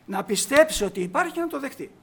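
Male preacher with a high voice, delivering a sermon with force and rhetorical questions. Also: sing-song, vocal fry. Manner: emphatic, asks the congregation rhetorical questions.

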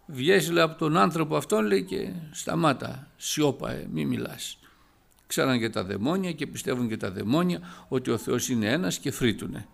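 Gravelly, lively male preacher. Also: medium pitch. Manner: lively preaching, rising to emphatic loud passages. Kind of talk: sermon.

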